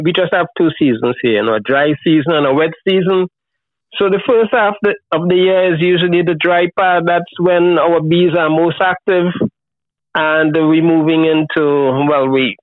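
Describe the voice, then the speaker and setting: An elderly man of seventy speaks with a Trinidadian accent in a noticeably high register. He chats reflectively and colloquially as an interview guest. The sound is thin and phone-like, with a dry, close feel and no room around it. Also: no room sound. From Trinidad and Tobago. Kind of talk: casual conversational interview. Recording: thin, phone-like call audio.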